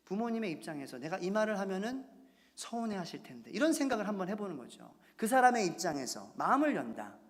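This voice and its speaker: A man in his thirties, a pastor, preaching a Sunday sermon and acting out little quotes. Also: fairly high pitch. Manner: animated preaching with acted-out quotes. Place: church sanctuary. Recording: long church hall reverb.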